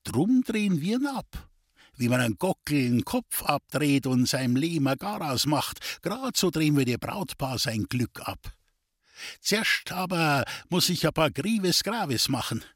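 A man's voice: fairly high pitch, sing-song, unhurried, a bit bright, no echo, clean studio sound, pitched above the performer's own voice, heavily acted. Man doing a sly wheedling trickster. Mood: scheming. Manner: Bavarian dialect, coaxing and insistent. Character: sly scheming male vagabond trickster, wheedling. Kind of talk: audiobook character reading.

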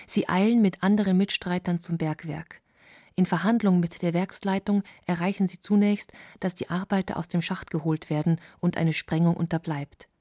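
A woman narrating a historical documentary in a measured, sober scripted voice. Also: lowish voice, steady tone, dark tone, no room sound, clean studio sound.

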